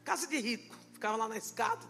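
A Brazilian woman pastor giving a testimony sermon at a church service, impassioned and rising to shouted preaching. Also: on the high side, animated, fast. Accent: Brazilian Portuguese.

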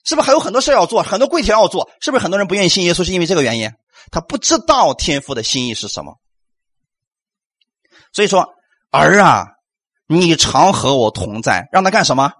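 Animated, husky-voiced male preacher. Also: high-pitched, fast talker. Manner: animated, rhetorical questions to congregation. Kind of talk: sermon.

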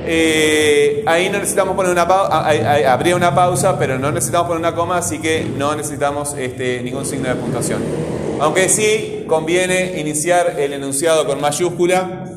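A male teacher with a slightly high, brisk voice gives a class lesson, quizzing his pupils and often checking in with a questioning "right?" The room is echoey with long reverb and faint noise.

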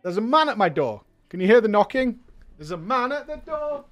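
A man hosting a livestream show who reads viewer letters aloud, talking in a loud, hyped way with swearing and rambling asides. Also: high voice, big pitch swings, a little fast, soft background music. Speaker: streamer and show host.

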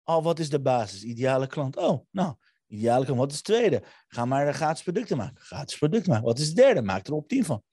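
A man's voice: on the high side, fast, hardly any pauses, husky, no room sound, clean studio sound. A man, a guest entrepreneur telling stories in a casual podcast conversation and dropping in English phrases. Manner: animated storytelling, mixes in English phrases.

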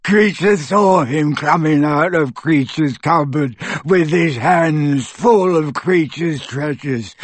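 A croaking old male house-elf, servile and bitter, dragging out each slow, pleading word, as a man puts him on. His voice sits higher and more strained than a plain speaking voice. The sound is dry and close. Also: dry recording. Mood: tearful. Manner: slow, pleading, sobbing in distress. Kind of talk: audiobook character voice.

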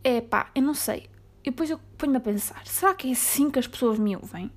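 Portuguese woman w slight beira accent ranting on her podcast, kinda high voice, goes loud then whispery. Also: a little fast. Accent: European Portuguese, slight Beira. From Mangualde, Portugal. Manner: chatty ranting, jumps between loud bursts and near-whispers. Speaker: podcast host. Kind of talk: casual solo podcast chat.

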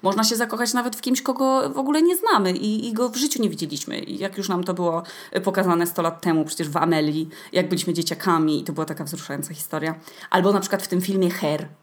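A young woman hosts a casual solo podcast, speaking quickly in a lowish voice. Her monologue is chatty, colloquial, and playfully ironic.

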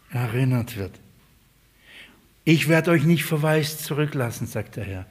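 A man with a fairly high voice delivers a sermon in a conversational tone. He drives points home by repeating key words and putting rhetorical questions to his listeners. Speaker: pastor.

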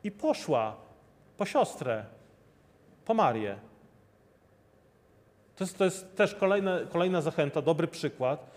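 A man's voice: a little high, expressive, slow, long pauses. A man preaching a sermon, earnestly repeating rhetorical questions to his listeners. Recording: long hall reverb.

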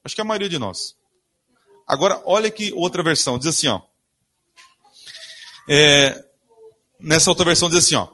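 A man's voice: fairly high pitch, animated, moderate pace, pauses often, pushed and bright. A man preaching a sermon, reading Bible verses aloud and questioning his congregation in a church. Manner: asks the congregation questions and answers them himself.

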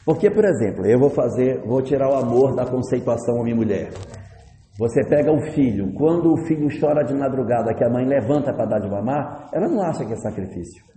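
A man's voice: mid-range voice, animated, a little fast, mellow. A man giving a conversational storytelling talk about love. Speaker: lecturer. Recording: echoey hall, faint noise.

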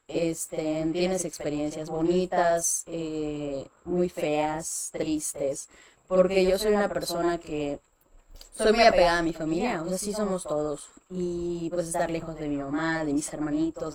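A young Mexican woman with a Mexican accent, telling personal stories in a casual chat, full of fillers and animated asides. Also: on the low side. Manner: chatty, animated, many fillers like "este". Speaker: guest.

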